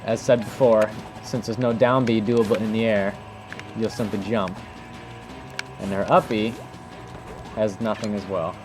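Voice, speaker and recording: Low-voiced man doing casual game commentary. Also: fairly even intonation, unhurried, long pauses. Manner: informal, improvised, thinking aloud. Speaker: host of a video game technique demonstration. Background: music.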